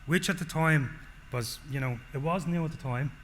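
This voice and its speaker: A man's voice: fairly high pitch, normal speed, fairly bright tone. An Irish man giving a technical presentation, explaining step by step and often checking in with the audience. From Ireland. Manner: explanatory, frequent "okay?" check-ins. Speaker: solutions engineer presenting. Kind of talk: conference presentation. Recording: long hall reverb, faint noise.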